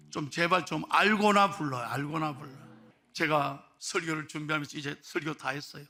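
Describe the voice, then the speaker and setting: High gravelly pastor preaching. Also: male voice. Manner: swings from hushed storytelling to loud exhortation. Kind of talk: sermon. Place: church sanctuary.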